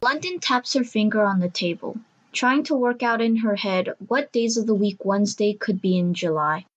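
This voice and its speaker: A woman's voice: mid-range voice, moderate pace, lo-fi sound. A woman reading scripted story narration for an audio drama.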